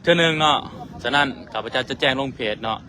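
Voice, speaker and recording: A man with a Lao accent hosting a livestream, formally thanking sponsors and officials in a measured way. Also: medium pitch, pushed and bright, slight background noise. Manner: formal and measured, full of tag particles. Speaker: livestream host.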